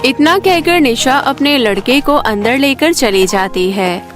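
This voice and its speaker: A woman narrates a scripted children's story. Her voice is on the high side. Light background music runs under the narration. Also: animated, unhurried.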